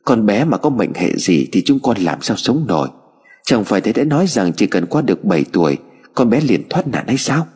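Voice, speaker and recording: A man's voice: lowish voice, big pitch swings, a little fast, darkish tone, slightly rough, full character voice. A man voicing a loving, anxious old grandmother in an audio story, speaking urgently. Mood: tearful. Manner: urgent, fretful. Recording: hall reverb with music bed.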